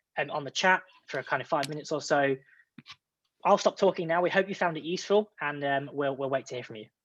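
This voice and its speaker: Very fast delivery in a British accent, with big swings in loudness and ordinary pitch variation. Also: man, fairly high pitch for a man. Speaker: customer engagement manager, webinar presenter; webinar presenter. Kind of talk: software webinar. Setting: online video call. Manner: upbeat, casual. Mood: friendly, light, joking. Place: home room. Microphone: webcam.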